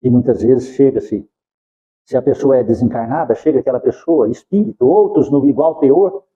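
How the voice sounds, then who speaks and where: A man lecturing at a spiritist center in an animated, rhetorical way, later leading a prayer, in a dull lo-fi recording. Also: mid-range voice, moderate pace, husky. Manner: animated, rhetorical questions, acts out quotes.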